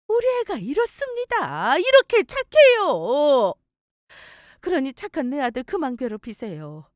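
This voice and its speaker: A meddlesome middle-aged mother-in-law scolds in a shrill, self-righteous voice, put on by a woman reading a story radio drama. Her pitch sits high and swings widely. The sound is dry and close. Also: a bit bright, no echo, heavily acted. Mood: sarcastic.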